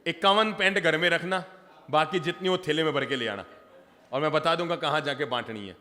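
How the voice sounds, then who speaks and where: A man's voice: on the high side, brisk, bright, forceful tone. A Jain monk from Rajasthan preaching, joking with and questioning his audience. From Rajasthan, India. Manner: humorous, engages audience directly. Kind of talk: sermon. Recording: long hall reverb.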